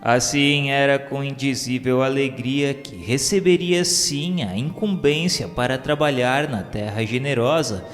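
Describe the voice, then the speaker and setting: A man with a Brazilian Portuguese accent giving formal, scripted narration for a radio drama. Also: mid-range voice. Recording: long reverb with soft violin music.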